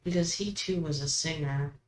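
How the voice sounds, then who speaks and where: A woman hosting a paranormal session, asking questions aloud and commenting casually, with halting pauses between them. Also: sits low. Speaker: host of a spirit box session. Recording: roomy echo, background noise.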